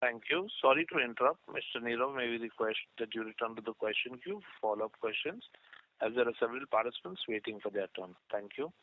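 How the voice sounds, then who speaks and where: A man's voice: medium pitch, animated, fast talker. A man moderating a conference call in a polite, formal, scripted way as the operator. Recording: narrow phone-line sound.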